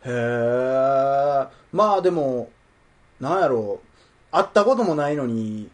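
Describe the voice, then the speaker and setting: A man's voice: medium pitch, lively intonation, takes it slowly. A man with a Kansai accent co-hosting a casual chat podcast, teasing and bantering playfully. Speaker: podcast co-host.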